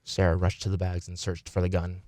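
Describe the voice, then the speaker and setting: Low-voiced man narrating, dry sound. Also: completely flat delivery, a little fast, mellow, dry recording. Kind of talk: scripted narration.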